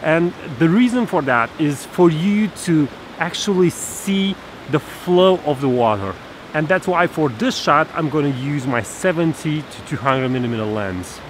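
A man in his thirties talks through a photography lesson outdoors, with a fairly high voice. He explains step by step, pausing on fillers and restarting his phrases. A rushing stream is clearly heard behind him, recorded at arm's length. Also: animated, a little hiss or hum, poor audio. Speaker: photography instructor. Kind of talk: outdoor tutorial to camera. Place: snowy forest stream outdoors. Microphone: camera held at arm's length. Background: rushing stream water.

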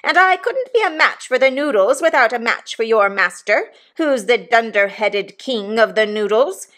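A woman voicing a violent, shrewish wife, shrill and theatrically indignant, in a storybook reading. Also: very animated, normal speed. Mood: raging. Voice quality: shrieking, shrill. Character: violent shrewish married woman, scolding and easily enraged.

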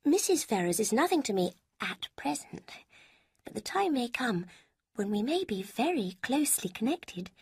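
A woman voicing a sly young woman who gushes secrets in a sweet, breathy way, with a husky tone. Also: a little high, big pitch swings, normal speed, no room sound, studio quality, pitched above the performer's own voice, exaggerated voice. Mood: confiding.

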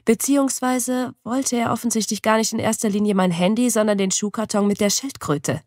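A woman reading a novel aloud in the first person, with even, measured storytelling. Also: on the high side, dry recording. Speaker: audiobook reader. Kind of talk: scripted first-person audiobook narration. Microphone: close studio mic. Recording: dry studio.

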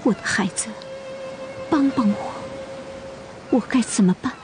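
A woman's voice: fairly high pitch, measured pace, background noise, lightly acted. An actress playing a headstrong young Russian woman from a costume drama, insistent and repeating her pleas over and over. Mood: despairing. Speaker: Russian woman in love with a herder. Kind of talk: television costume drama dialogue.

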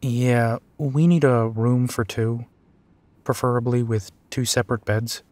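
A man as a slow-talking, tired detective. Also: mid-range voice, steady tone, darkish tone, no room sound, lightly acted. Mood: flustered. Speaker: audio roleplay actor. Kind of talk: intimate detective roleplay acting.

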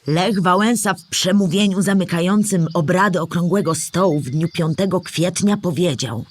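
A woman's voice: on the low side, moderate pace, close to an everyday voice. A woman playing a storyteller who explains history to a child in a scripted children's audio play. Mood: explanatory.

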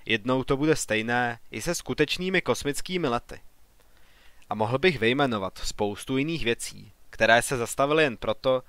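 An ambitious young engineer pleads his case with earnest heat, as a man reading the story puts him on. The voice sits at an ordinary middle pitch. It is recorded dry and close. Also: fairly bright tone, dry recording, lightly acted. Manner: earnest, argumentative.

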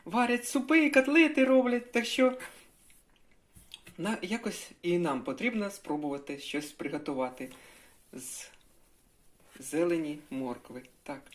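Slow-talking older woman, homely. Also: fairly low pitch, very animated. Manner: chatty, homely, gives advice to viewers. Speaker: home cooking vlogger. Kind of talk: casual talk while tasting and cooking.

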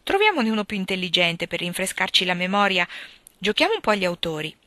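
A woman's voice: lowish voice, big pitch swings, fast, bright, forceful tone, no room sound. A woman reading as an outspoken teenage girl. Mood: dismissive.

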